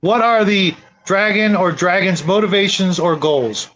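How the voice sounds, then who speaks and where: A man's voice: high voice, a little slow, a bit bright, rough recording. A man moderating a casual panel chat as host, handing the floor to the other speakers.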